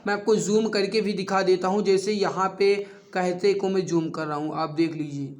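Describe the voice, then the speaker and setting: High-pitched male exam tutor. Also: steady tone, normal speed. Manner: repetitive, emphatic, addresses listeners familiarly. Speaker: online exam-prep teacher. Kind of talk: quiz lesson for exam students with promotional pitch.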